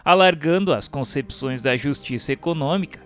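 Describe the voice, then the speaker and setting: A man's voice: a little high, normal speed, a bit bright, faint music behind. A Brazilian man reading a religious text as solemn scripted narration, in a formal, declamatory manner.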